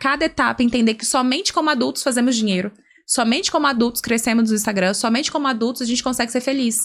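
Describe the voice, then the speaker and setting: This woman talks very fast at a fairly high pitch. Her pitch varies in an ordinary way. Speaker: human development and sales specialist. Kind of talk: podcast interview.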